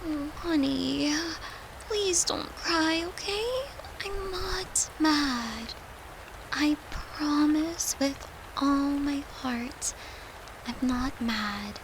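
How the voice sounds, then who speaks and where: A woman playing a worried, tender girlfriend in an intimate audio roleplay, speaking softly and coaxingly, with some hesitation. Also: high-pitched, extremely slow, noisy background, exaggerated voice. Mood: gentle, reassuring. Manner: soft, coaxing, hesitant, sometimes whispery.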